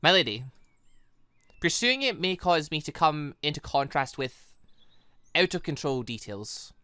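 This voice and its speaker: Guy reading as scheming young villainess, slow and deferential, visual novel game, dry close sound. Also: a little high, very animated, pushed and bright, clean tone, no echo, heavily acted. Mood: deferential, uneasy.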